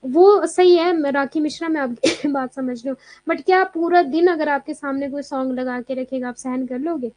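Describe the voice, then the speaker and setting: A woman's voice: sits high, moderate pace, hardly any pauses, a little mellow. A young woman teaching a live online exam class in a chatty way, mixing in English terms and answering students' comments as she goes.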